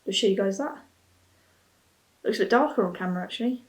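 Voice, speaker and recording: Talking fast in a medium-pitched, darkish voice, a woman in her twenties casually reviews beer and snacks for the camera. She sits at a table in a small plain room at home, musing aloud and frequently restarting her thoughts. There's slight background noise.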